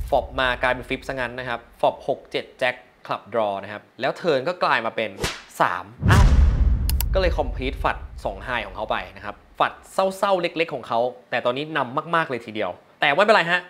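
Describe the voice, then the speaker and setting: Lively young man reviewing poker hands. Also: medium pitch, a little hiss or hum. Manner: lively, self-mocking, mixing English poker terms into speech. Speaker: poker player reviewing his own hands. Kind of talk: casual hand-review commentary.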